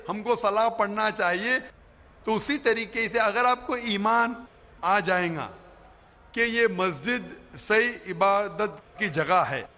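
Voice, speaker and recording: A man's voice: high-pitched, sharp tone. A middle-aged man preaching to a large crowd on an arena stage, explaining points emphatically into a stand microphone and often checking that listeners understand. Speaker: Islamic preacher answering audience questions. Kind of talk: public question-and-answer lecture. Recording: long hall reverb.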